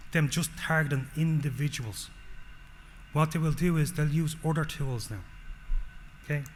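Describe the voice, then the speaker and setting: An Irish man giving a technical presentation, explaining step by step and often checking in with the audience. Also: fairly high pitch. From Ireland. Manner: explanatory, frequent "okay?" check-ins. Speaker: solutions engineer presenting. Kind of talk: conference presentation. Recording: long hall reverb, faint noise.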